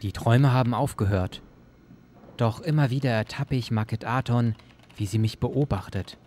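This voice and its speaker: A man's voice: medium pitch, normal speed, darkish tone, slight background noise, natural voice. A man playing an anxious, haunted academic doctor in an audio drama. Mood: brooding, uneasy.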